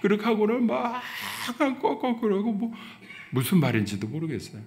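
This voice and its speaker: A middle-aged man, a pastor, preaching a sermon and telling a story, his voice swinging from soft to loud. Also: high-pitched, huge pitch swings, normal speed.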